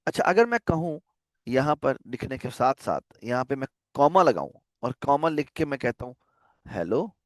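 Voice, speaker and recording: A man with a mid-range, animated voice gives a relaxed online programming lecture over a video call at a moderate pace. He talks conversationally and often asks whether students are following. Studio-quality audio, with no room sound.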